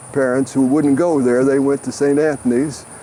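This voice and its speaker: Over noticeable background noise, a man with an American accent talks in a fairly high voice at a moderate pace with fairly even intonation. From Kansas City, USA. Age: 80s+. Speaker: former parishioner. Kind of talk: interview answer.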